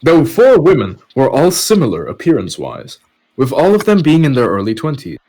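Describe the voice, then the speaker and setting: Expressive male story narrator. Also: medium pitch, brisk. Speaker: podcast host and narrator. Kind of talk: story narration with casual asides.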